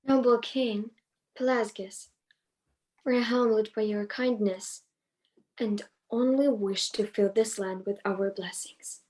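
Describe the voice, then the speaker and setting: An actress playing a humble suppliant in a Greek tragedy chorus, speaking in a solemn, measured way. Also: female voice, mid-range voice, fairly even intonation, darkish tone, close to an everyday voice. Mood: humble, grateful. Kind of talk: dramatic reading of ancient Greek tragedy.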